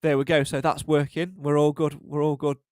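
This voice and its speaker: A man's voice: on the high side, level tone, fairly quick, a little mellow, no room sound, studio quality. A man hosting a live fan podcast in a chatty, self-deprecating way, with frequent fillers. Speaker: podcast host.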